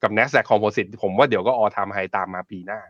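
A man's voice: on the low side, moderate pace, no echo. A man hosts a casual live finance talk show. He talks bluntly and jokes with his guest. His voice is close and dry, with slightly muffled, lo-fi sound. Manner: conversational, blunt and joking. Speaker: host.

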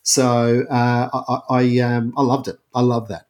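Aussie guy co-host, keen and emphatic about books, average pitch. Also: level tone, a little slow, darkish tone. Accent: Australian. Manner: enthusiastic, emphatic, laughs. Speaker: podcast co-host, critic. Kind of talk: casual book discussion.

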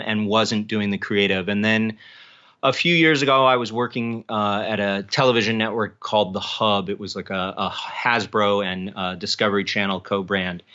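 A man's voice: on the low side, pushed and bright, dull audio. An American man speaking casually as an author being interviewed. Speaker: author, guest.

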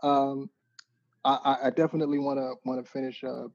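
A man talking in a halting, casual way with many restarts, heard through a crackling mic that keeps cutting out. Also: medium pitch, little pitch movement, a little mellow. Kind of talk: casual podcast chat. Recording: dull lo-fi mic with crackle and dropouts.

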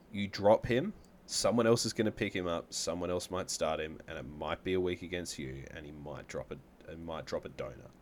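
A man with a very low voice co-hosts a casual sports podcast. He rattles off numbers and gives his takes in a relaxed, conversational way. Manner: upbeat, rattles off stats, apologizes for yawning. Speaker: podcast co-host. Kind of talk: casual fantasy football chat.

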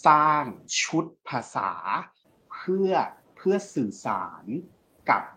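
A man co-hosting a casual talk show, explaining things in a relaxed way with frequent hesitations. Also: on the high side, slow pace. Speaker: co-host. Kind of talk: casual discussion podcast.

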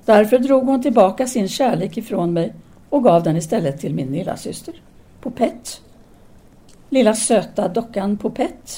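Actress as a mellow, earnest intellectual woman. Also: mid-range voice, expressive, natural voice. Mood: wounded, confiding. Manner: earnest, formal, articulate. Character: Castor, intellectual Parisian woman, candid, brooding, devoted lover. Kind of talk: audio drama acting, formal literary dialogue.

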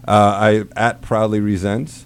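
Low-voiced dry-humored man guest. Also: level tone, unhurried, slight background noise. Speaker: podcast producer and guest. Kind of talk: casual podcast chat.

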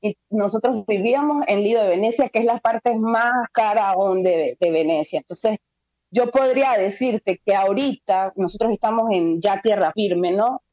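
A woman's voice: mid-range voice, normal speed, a little mellow, no room sound, dull audio. A Venezuelan woman, a guest in a casual radio interview, talking with many fillers and restarts.

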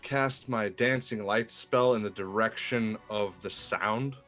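Male tabletop player, fairly low voice, casual game-table chat over faint music. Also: slow, a bit bright.

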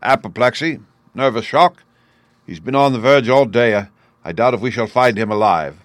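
A man voicing a careworn young gentleman in an audiobook, speaking emphatically and in anguish. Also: mid-range voice, normal speed, no room sound, natural voice. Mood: grim, distressed. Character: distraught, careworn young gentleman, son of squire.

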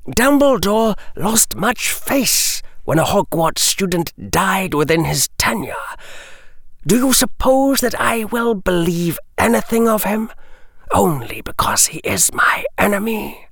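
A cold, aristocratic wizard lord speaks in a soft, slow, whispery drawl, as a male audiobook reader puts him on. His pitch glides up and down with sly menace. The recording is dry and close. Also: sing-song, gravelly, dry recording, exaggerated voice. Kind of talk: audiobook character voice.

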